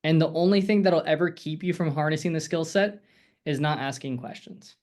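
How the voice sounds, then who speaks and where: A man's voice: on the high side, fairly quick, a little mellow. A man coaching a group on a video call, talking casually in a rambling, encouraging way with lots of fillers. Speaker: sales coach.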